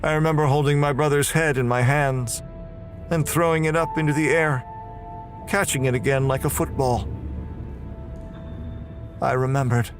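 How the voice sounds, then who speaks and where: An actor playing a tormented, damned murderer, delivering a brooding first-person horror audio drama monologue. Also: male voice, on the high side, steady tone, normal speed, long pauses, natural voice. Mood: cold, brooding. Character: damned male murderer prisoner, tormented, confessing in hell. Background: music.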